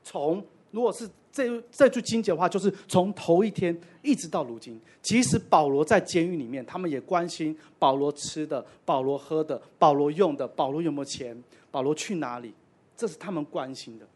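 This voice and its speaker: A man's voice: a little high, normal speed. A man preaching a sermon as pastor, conversational with self-deprecating asides.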